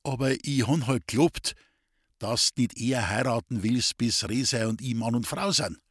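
A man voicing an earnest young male fisherman with a Bavarian accent, in a husky, pleading voice. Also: medium pitch, normal speed, dry recording, clean studio sound, lightly acted. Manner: earnest, pleading dialect speech.

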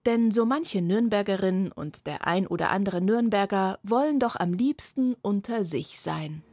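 A woman's voice: medium pitch, measured pace, darkish tone, dry recording, clean studio sound. A woman narrating a television feature report in a wry, teasing tone.

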